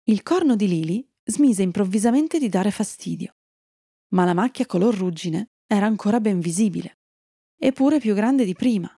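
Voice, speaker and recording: A woman storyteller gently reading a fairy tale to children and chatting kindly with her young listeners. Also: medium pitch, gravelly, slightly rough, no room sound, clean studio sound.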